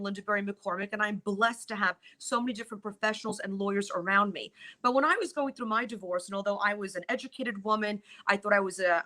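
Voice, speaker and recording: A middle-aged woman from Poland, Polish her first language, talks as a guest lawyer on morning television. Her voice sits somewhat high and rings bright and forceful. She tells her story emphatically, with exclamations. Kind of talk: morning TV interview.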